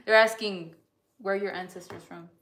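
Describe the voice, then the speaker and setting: A woman's voice: mid-range voice, steady tone, normal speed, a bit bright. A young woman chatting at home in an opinionated, wry way, often breaking into laughter. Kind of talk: casual chat. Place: home kitchen, indoors. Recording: echoey kitchen with faint hum.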